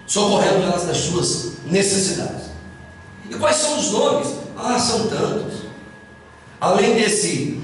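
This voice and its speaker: Brazilian male pastor, slow measured preaching, caught from a distance in a booming hall. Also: slight background noise. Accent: Brazilian Portuguese. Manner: emphatic preaching, slow and deliberate, bursts of raised voice. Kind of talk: sermon. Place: church hall. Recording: echoey hall from far off.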